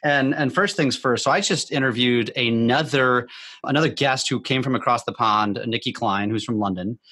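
Energetic male podcast host. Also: mid-range voice, moderate pace, no echo. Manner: energetic, hype-style introductions. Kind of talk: podcast interview.

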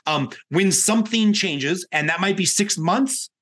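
A man's voice: high voice, animated, measured pace, fairly bright tone. A man speaking as a guest coach on a podcast, giving candid, colloquial advice with emphatic repetition. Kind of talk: podcast interview, conversational advice.

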